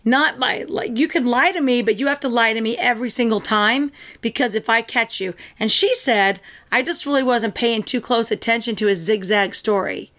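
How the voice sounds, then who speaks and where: Raspy-voiced woman podcast host. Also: fairly high pitch, moderate pace, few pauses, a bit bright. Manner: reads headlines aloud, chatty with fillers. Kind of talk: casual chat.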